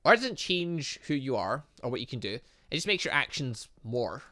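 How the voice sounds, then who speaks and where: A man's voice: mid-range voice, big pitch swings, moderate pace, sharp tone, no echo, clean studio sound. A man voicing an upbeat, easygoing young male personal trainer in a video game, instructive and encouraging. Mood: explaining.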